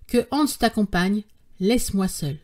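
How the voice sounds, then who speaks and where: A woman's voice: medium pitch, lively intonation, measured pace, natural voice. A woman reading as a stern, fiery old professor. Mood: stern, insistent. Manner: forceful, commanding, insistent. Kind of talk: audiobook character reading.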